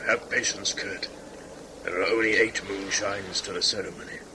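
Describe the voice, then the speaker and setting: An actor playing a stern, commanding tribal chief who speaks in solemn, declamatory, archaic language in an audio drama. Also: male voice, sits low, steady tone, normal speed, noisy background. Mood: measured.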